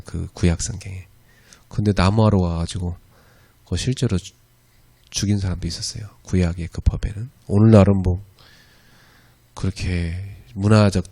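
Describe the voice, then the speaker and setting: Speaking with a fairly low pitch, vocal fry and a slightly mellow quality, this man is a pastor giving a sermon lecture at a church's evangelism school. He keeps it conversational, regularly checking in with listeners via "예" and "그죠?".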